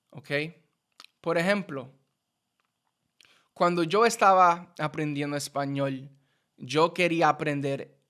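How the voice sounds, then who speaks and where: Slow-talking Puerto Rican-accented man. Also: a little high, a bit bright. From United States. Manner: slow, repeats and restarts words while explaining. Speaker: Spanish teacher. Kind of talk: casual teaching to camera.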